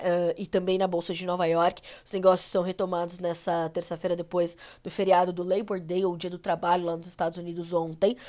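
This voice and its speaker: A Brazilian woman with a cold anchoring a live agribusiness news show, her voice nasal and congested as she runs through market prices. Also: medium pitch. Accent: Brazilian Portuguese. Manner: brisk, reads prices in a steady run.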